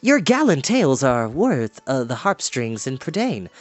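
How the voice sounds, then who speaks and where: A man's voice: mid-range voice, sing-song, no room sound. Man as a courteous noble young warrior, melodic delivery. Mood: friendly, amused. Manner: courteous, measured. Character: noble, thoughtful, modest young warrior prince.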